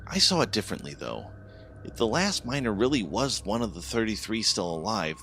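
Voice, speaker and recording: A man's voice: on the low side, a bit bright, slight background noise. A man narrating a horror story in the first person, with dramatic scripted delivery.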